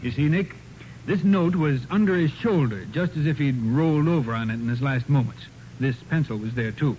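An actor playing an earnest, measured family doctor in a 1940s radio drama. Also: male voice, a little high, close to an everyday voice. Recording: noisy 1940s radio recording.

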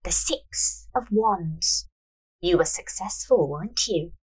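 A woman voicing a calm, cryptic female fortune teller in a read-aloud story, speaking slowly and knowingly. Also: lowish voice, slightly rough, exaggerated voice, rough recording. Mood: knowing, ominous.

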